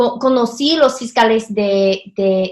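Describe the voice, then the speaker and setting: A woman with an English accent speaks at a very slow pace. Her intonation stays fairly even. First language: English (speaking Spanish). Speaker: newspaper court reporter. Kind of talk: interview. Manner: halting, many fillers.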